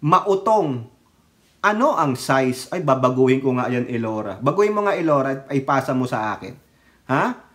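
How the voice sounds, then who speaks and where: A man's voice: medium pitch, expressive, fairly quick. A man delivering casual political commentary for his vlog, mocking and heckling his targets and talking straight to his viewers. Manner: often breaks into laughter. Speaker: political vlogger.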